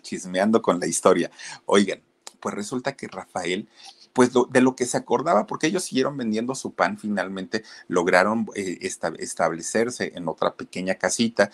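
Male narrator with a Mexican accent, low-pitched and very lively, chatty and direct with his listeners. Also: husky. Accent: Mexican Spanish. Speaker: history storyteller, channel host. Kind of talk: casual storytelling to an online audience.

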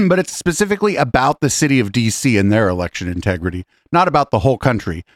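A hoarse man at mid pitch hosts a live stream in a loose, casual manner, clearing his throat between remarks. The studio mic sounds dry and close, with little room behind him. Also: fast, no room sound. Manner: relaxed, loose delivery with fillers. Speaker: podcast host. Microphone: studio microphone.

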